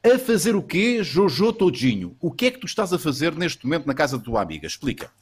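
A man's voice: a little high, big pitch swings, fast talker, husky. Teasing European Portuguese male host. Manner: playful, teasing, with many fillers. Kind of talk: live online chat show.

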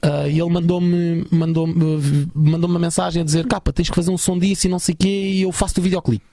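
Fast-talking gravelly young Portuguese man. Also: on the high side, flat delivery, warm tone, no echo, clean studio sound. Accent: European Portuguese. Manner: chatty, many fillers, slangy. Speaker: guest musician. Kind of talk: casual storytelling.

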